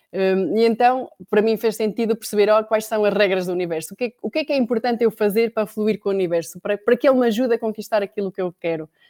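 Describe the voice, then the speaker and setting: Talking at a very fast pace with hardly any pauses, a woman has a fairly high pitch, ordinary pitch variation and a dark, mellow tone, in a dry, close sound with no echo. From northern Portugal. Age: 40s. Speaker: dentist. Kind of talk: interview. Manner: halting.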